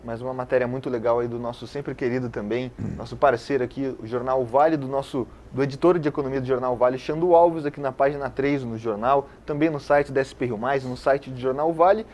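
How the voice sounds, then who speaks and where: A man's voice: medium pitch, fairly even intonation, brisk, few pauses, darkish tone, a little hiss or hum. A man co-presenting the news, enthusiastically recommending a newspaper article in a rambling, informal way. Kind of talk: casual news commentary.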